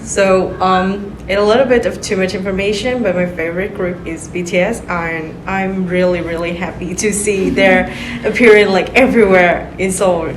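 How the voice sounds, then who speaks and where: A woman's voice: mid-range voice, fairly even intonation, moderate pace, hardly any pauses, reverberant, noisy background. A young woman from Vietnam, an exchange student, earnestly listing her reasons for studying abroad. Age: young adult. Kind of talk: casual interview answers.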